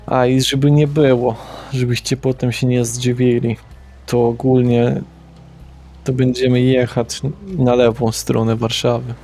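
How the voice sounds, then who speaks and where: A man's voice: medium pitch, flat delivery, measured pace, dark tone, soft background music. A man speaking in character in a tabletop roleplaying game, casual and rambling. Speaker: player.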